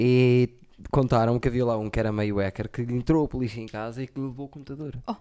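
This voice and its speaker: A man of medium pitch talks at a fairly quick pace in a dark, mellow tone. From Guarda, Portugal. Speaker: podcast host and comedian. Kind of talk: casual comedy chat.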